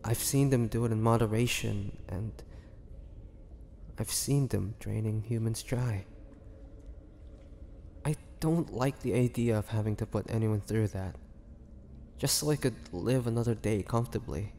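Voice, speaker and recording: A man playing an ancient, gentle and wistful male vampire in an intimate audio roleplay, speaking haltingly with measured pauses. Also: on the low side, a little hiss or hum. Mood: earnest, pleading.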